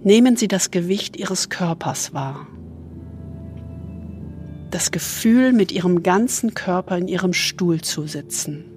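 A woman leads a guided meditation in a soft, soothing spa manner, leaving long pauses and trailing into breathiness. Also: lowish voice, faint music behind. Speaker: host guiding a relaxation exercise.

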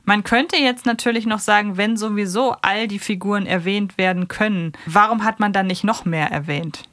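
A woman's voice: mid-range voice, moderate pace, fairly bright tone, no echo. Woman podcaster, dry close sound. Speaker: podcast co-host. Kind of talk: casual review chat, critical commentary.

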